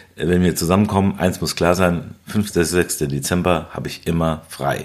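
A man with a very deep, low pitch keeps a moderate pace and fairly even intonation. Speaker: cultural event organizer. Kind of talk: casual interview.

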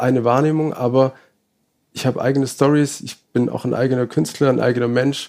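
A man speaks at a medium pitch with a dark, mellow tone and ordinary pitch variation. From Bavaria. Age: 30s. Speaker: DJ and club booker. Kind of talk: live podcast interview. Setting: stage with live audience.

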